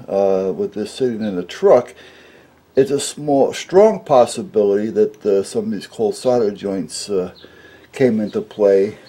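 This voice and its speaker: A middle-aged man talks through a repair in a fairly low, dark voice with a husky edge. He is casual and unscripted, wandering from point to point as he explains in a plain, matter-of-fact way. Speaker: hobbyist radio repairer, presenter. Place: indoors at a workbench.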